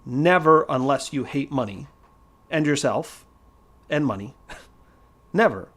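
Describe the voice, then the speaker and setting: Man, trading educator, casual livestream lesson, blunt, emphatic, repetitive, mid pitch. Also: animated, slow pace, a bit bright. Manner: blunt, emphatic, repeats key points.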